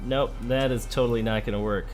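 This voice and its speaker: A man's voice: mid-range voice, steady tone, brisk. A man hosting a let's play, thinking aloud in casual, conversational game commentary. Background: game music.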